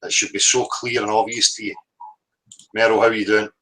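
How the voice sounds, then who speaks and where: A man's voice: fairly low pitch, level tone, brisk, sharp tone, low-quality recording. A man with a Northern Irish accent hosting a live stream, musing in a rambling, reflective way with casual swearing and an easy, unscripted flow.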